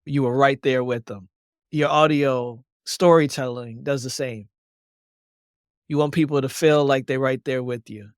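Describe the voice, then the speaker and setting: Guy hosting an interview, slow easy talk, chill and affirming, dry mic. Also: medium pitch, smooth, no echo. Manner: calm, affirming, brief responses. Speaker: interview host. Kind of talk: casual interview.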